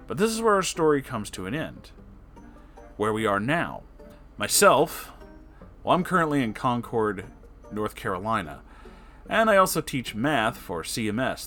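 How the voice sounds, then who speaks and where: A man reading a story aloud as an online narrator, expressive and casual, with dramatic delivery. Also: mid-range voice. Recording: music behind the voice. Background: background music.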